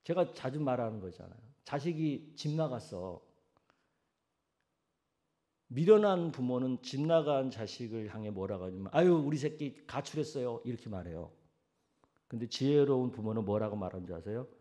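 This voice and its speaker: A senior pastor preaching a sermon, asking the congregation questions and acting out quoted sayings in a soft, low voice. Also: male voice, expressive, moderate pace, pauses often. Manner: asks the congregation direct questions.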